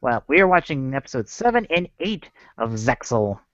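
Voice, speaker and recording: A man's voice: mid-range voice, very animated, normal speed, fairly bright tone, dry recording. Muffled man, as if through a wall. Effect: muffled, as if talking through a wall. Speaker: podcast co-host. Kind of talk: casual group chat over a call. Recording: dull lo-fi call audio, dry.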